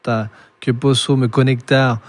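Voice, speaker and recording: Man, halting. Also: medium pitch, little pitch movement. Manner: halting, many fillers and restarts. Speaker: podcast guest. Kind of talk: casual podcast conversation.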